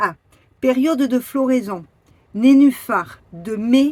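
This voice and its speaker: Here a woman's intonation is lively. Her pitch sits fairly high. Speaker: travel vlogger. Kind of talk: casual vlog talk. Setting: camper van. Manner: halting.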